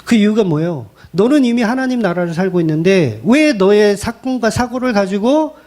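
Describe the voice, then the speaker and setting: A male pastor preaching with an animated, colloquial delivery and dramatizing the lines he quotes. His voice sits fairly high and swoops widely in pitch. The tone is mellow rather than bright. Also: normal speed. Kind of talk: sermon.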